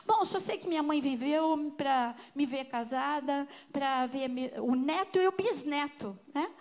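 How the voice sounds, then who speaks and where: High-pitched older brazilian lady preaching, emotional storytelling, gets quiet then loud. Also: measured pace. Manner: emotional storytelling, swinging between soft and loud. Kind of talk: sermon with personal testimony.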